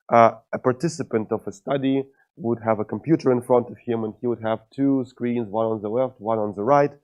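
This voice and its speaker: A scientist with a Russian accent delivers a conference lecture in a medium-pitched, darkish voice, peppered with "uh" fillers and dry, wry humor. The recording sounds lo-fi and dull.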